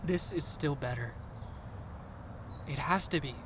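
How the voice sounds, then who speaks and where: A man's voice: a little high, unhurried, close to an everyday voice. A man acting an earnest, blunt young escaped test subject in an audio drama, sounding worried. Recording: clearly noisy outdoor ambience bed.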